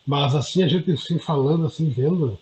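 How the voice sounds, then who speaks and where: A man's voice: on the high side, fairly quick, a little mellow. A man sharing earnest, self-deprecating reflections in a group discussion over a video call. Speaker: study group participant. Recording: dull lo-fi audio.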